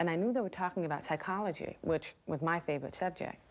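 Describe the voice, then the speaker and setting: Talking at a fairly quick pace, a woman uses a fairly low pitch with ordinary pitch variation. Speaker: interviewee. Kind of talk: interview answer. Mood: reflective storytelling. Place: studio.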